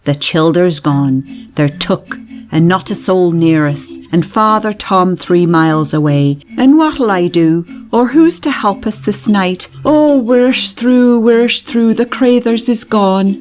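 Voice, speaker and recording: Woman playing a distraught widow mother, wailing pleas, higher than her narration. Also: normal speed, darkish tone, lightly acted. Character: frantic Irish peasant widow mother.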